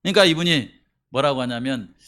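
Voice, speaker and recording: Here the pastor speaks at a medium pitch and a brisk clip. He narrates a story in his sermon, voicing quotes dramatically, questioning the congregation, and shifting from hushed murmurs to forceful emphasis.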